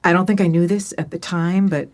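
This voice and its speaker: An actress as a gentle, low-voiced middle-aged woman. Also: fairly even intonation, a little fast, natural voice. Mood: hesitant, confessing. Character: kindly older woman, former therapist, friend of a late mother. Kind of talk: naturalistic audio drama acting.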